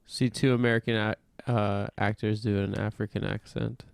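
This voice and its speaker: A man co-hosting a comedy podcast, reading strange news aloud in a deadpan, matter-of-fact way. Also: on the low side, moderate pace, creaky, smooth, no room sound. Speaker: podcast co-host. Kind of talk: reading a news story aloud, then banter.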